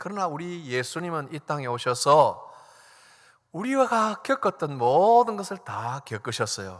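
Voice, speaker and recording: A man with a bright, sharp tone and a fairly high pitch speaks at a fairly slow pace, his pitch swinging very widely, on a very clean recording with a silent background. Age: 60s. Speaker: pastor. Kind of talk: sermon. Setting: church service.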